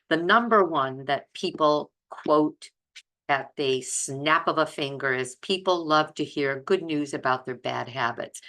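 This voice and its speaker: A woman's voice: very deep voice, bright, forceful tone. A woman in her seventies chatting informally to online viewers as a presenter, conversational and emphatic, repeating phrases for stress. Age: 70s. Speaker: plant-based diet presenter and group leader.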